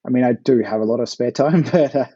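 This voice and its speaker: An Australian man, an author guest, talking in a relaxed, hesitant way with plenty of fillers. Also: mid-range voice, quick pace, slightly rough, no echo, muffled recording. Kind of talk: casual interview chat.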